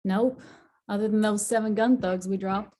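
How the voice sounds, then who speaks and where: A woman's voice: mid-range voice, fairly even intonation, moderate pace, warm tone, natural voice. A woman playing a tough, foul-mouthed small-town matriarch, blunt and folksy, in a drama table read. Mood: grimly matter-of-fact.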